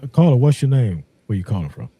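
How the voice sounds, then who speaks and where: A man's voice: mid-range voice, sing-song, fast. A man hosting a call-in show in a casual, easygoing, colloquial way. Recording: noisy, with crowd-like background sound.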